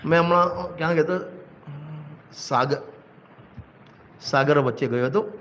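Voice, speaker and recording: In a religious hall, a Gujarati-accented pandit with a somewhat high, slightly bright voice gives a sermon at a measured pace, exhorting listeners, telling stories with everyday examples and asking them questions. The recording is muffled with slight background noise.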